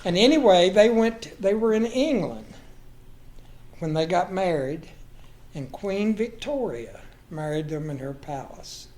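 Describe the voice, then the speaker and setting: Older man, higher-pitched voice. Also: expressive, a little slow, a little mellow. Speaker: guest storyteller. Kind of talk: folksy anecdotal storytelling.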